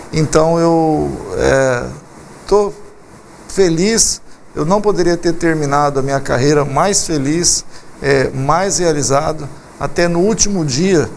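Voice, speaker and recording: Very slow speech with long, frequent pauses and ordinary pitch variation, plus noticeable background noise and audible room echo. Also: man, fairly high pitch for a man. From Brazil, São Paulo state interior, São José do Rio Preto. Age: 40s. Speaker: retired military police colonel. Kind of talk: TV studio interview. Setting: TV studio.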